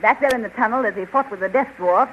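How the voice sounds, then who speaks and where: Actress as a scornful witch queen, high voice, old dull radio sound. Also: quick pace, a little hiss or hum, natural voice. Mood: haughty. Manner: haughty, scornful. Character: scheming proud witch queen, adult woman. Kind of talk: 1930s radio acting. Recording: dull lo-fi 1930s radio recording.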